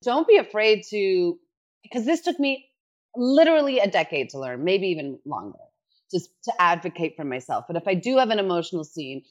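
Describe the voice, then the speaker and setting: Animated woman chatting as a guest. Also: on the low side, muffled recording. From New York City. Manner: animated, laughs often, quick restarts. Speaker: actor, podcast guest. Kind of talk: casual chat.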